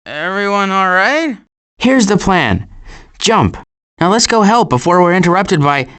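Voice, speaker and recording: A man voicing a cautious, anxious adult male turtle in an animated video game, fretful and wry with deadpan sarcasm and stammers. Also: high voice, a little slow, smooth, full character voice.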